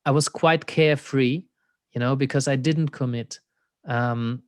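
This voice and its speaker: A man with a German accent, speaking in a mid-range voice as a thoughtful interview guest. He muses aloud, laughs easily and fills pauses with "you know." The sound is close and dry, with no room around it. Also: medium pitch, fairly even intonation, clear, resonant tone, no echo. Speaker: existential coach, interview guest. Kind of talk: reflective conversational interview.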